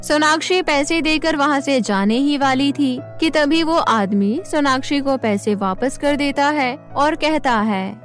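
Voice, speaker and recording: A woman's voice: sits high, measured pace, few pauses, faint music behind. A woman narrating a scripted children's cartoon story.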